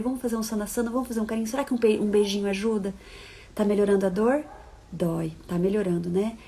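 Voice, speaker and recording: A woman giving parenting advice in a live-stream talk. She is expressive, shifting from soft, reassuring coaxing to emphatic points. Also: high voice. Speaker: parenting educator.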